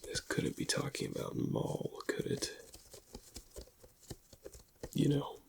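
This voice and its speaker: A man whispering an ASMR roleplay as a shady but friendly black market dealer, in a breathy, gravelly, hushed voice. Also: noisy background. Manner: slow, hushed, lingering delivery.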